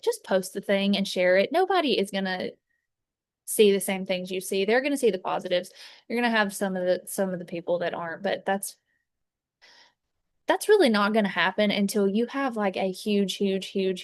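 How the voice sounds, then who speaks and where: A woman talks casually and at length. She rambles with fillers and restarts. Her voice sits at a middle pitch, and the recording is dry and close, with no room echo. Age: 30s. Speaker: fragrance consultant. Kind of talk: casual chat. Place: inside an RV.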